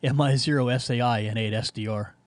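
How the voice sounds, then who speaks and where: Guy doing casual ham radio chat, kinda halting, super dry close sound. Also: mid-range voice, steady tone, dry recording. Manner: halting, searching for words. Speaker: amateur radio operator, streamer.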